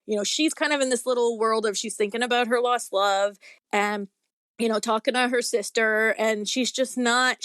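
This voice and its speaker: In a slightly high, somewhat bright voice, a guest author chats through a relaxed interview, earnest and long-winded, with frequent fillers like "you know" and "like." The studio-quality audio has no echo.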